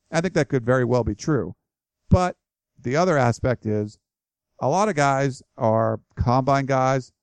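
A man's voice: medium pitch, creaky, a little mellow, clear, resonant tone, dry recording. A man hosting a solo sports podcast, answering listener questions in a casual, rambling way with many fillers and restarts, his voice tiring. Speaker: podcast host.

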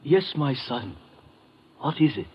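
An actor playing a serene, cryptic old Burmese priest in a radio drama, speaking in solemn, formal, measured pronouncements. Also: male voice, medium pitch, big pitch swings, husky, exaggerated voice. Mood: serene, withdrawn. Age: older. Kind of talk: 1950s radio drama acting. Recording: muffled old radio recording.

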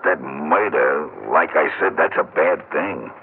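Reformed gangster, folksy tough-guy slang, very low voice, husky, thin old radio sound. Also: measured pace, exaggerated voice. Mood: genial. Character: reformed gangster man, simple, good-natured. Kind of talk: 1950s radio drama acting. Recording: narrow-band old radio broadcast.

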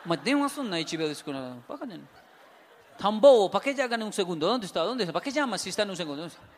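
Colombian man, lively storyteller acting out dialogues, high voice, long hall reverb. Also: quick pace, a little hiss or hum. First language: Spanish. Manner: animated storytelling, acts out both sides of dialogues. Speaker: speaker. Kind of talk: humorous talk to an audience.

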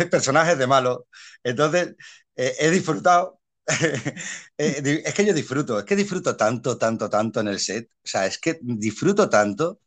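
A man from Spain with a Spanish accent, a guest actor telling anecdotes in a casual interview, animated and quick to laugh. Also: mid-range voice. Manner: animated storyteller, laughs often, many fillers and repeats.

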